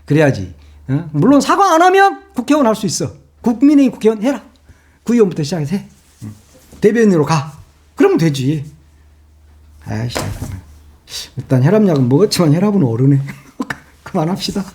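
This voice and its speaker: A man's voice: high-pitched, sing-song, fairly quick, pauses often, darkish tone, husky. An older man, a former broadcaster turned online commentator, ranting and scolding in sarcastic rhetorical questions.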